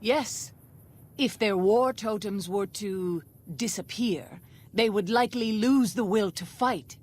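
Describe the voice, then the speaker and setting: An actress playing a wary, loyal tribal fighter and healer in a video game, speaking in formal, measured phrases over gunfire. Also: female voice, mid-range voice, darkish tone. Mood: cautious, respectful. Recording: very noisy, gunfire behind the voice.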